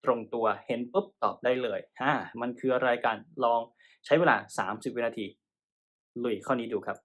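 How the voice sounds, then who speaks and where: Thai male tutor explaining English grammar. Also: medium pitch. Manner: explains patiently, checks in with listeners often; spells and pronounces English words slowly within Thai. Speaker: TOEIC tutor. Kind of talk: exam-prep lesson.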